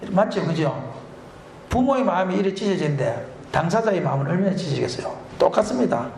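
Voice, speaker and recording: A middle-aged man, a pastor, preaching a revival sermon and telling a personal story with animated, laughing delivery. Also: sits high, fast, vocal fry, a little hiss or hum. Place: church sanctuary. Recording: echoey church hall.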